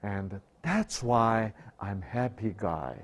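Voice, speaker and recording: Male preacher; slow, very lively pitch, quizzes the congregation. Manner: asks rhetorical questions and answers them; swings between loud emphatic bursts and quiet low asides. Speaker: pastor. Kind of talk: sermon.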